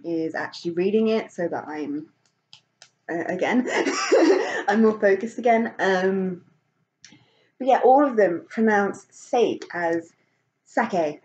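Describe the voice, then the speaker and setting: A woman's voice: mid-range voice, a little slow, a little mellow, highs cut off. A woman vlogging casually, rambling with many fillers and restarts and laughing often. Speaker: vlogger and author. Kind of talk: casual chat.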